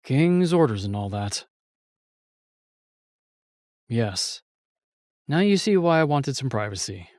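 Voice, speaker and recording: An actor playing a reluctant royal knight, curt and sighing but guardedly kind, in an intimate fantasy audio drama. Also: male voice, mid-range voice, big pitch swings, slow pace, long pauses, a little mellow, no echo, clean studio sound. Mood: dry, resigned.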